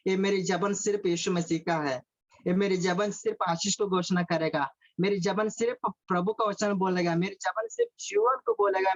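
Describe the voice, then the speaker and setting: A man preaching a sermon over a video call, repeating phrases, asking his listeners questions and mixing in English words. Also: high voice. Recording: dull lo-fi call audio.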